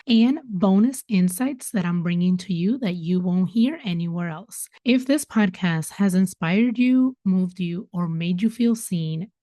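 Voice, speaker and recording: A woman's voice: fairly low pitch, dark tone, no room sound, studio quality. A woman hosting an interview podcast, addressing listeners and guests.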